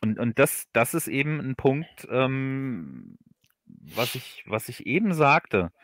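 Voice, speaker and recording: A man in an unscripted interview, speaking haltingly and often repeating words as he looks for phrasing. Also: mid-range voice, sing-song, a bit bright, no room sound, studio quality. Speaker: author being interviewed on a livestream.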